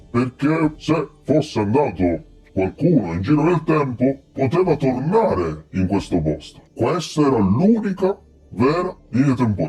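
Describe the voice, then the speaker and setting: Over faint background music, a man uses a put-on character voice at medium pitch, moving at a fairly slow pace with very wide pitch swings. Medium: actual play. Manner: slow, hesitant, halting.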